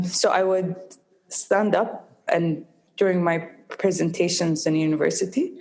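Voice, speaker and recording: A young woman from the United Arab Emirates answers interview questions in a slightly low voice. She speaks slowly and carefully, with a mild stutter and small pauses as she works through her words. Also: darkish tone. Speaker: guest, social entrepreneur. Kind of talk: interview conversation.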